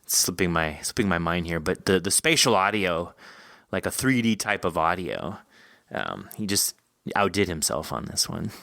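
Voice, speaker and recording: A man's voice: deep voice, expressive, normal speed, vocal fry, pushed and bright, no echo, clean studio sound. A man hosting a casual interview, speaking effusively and with enthusiasm. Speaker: podcast host.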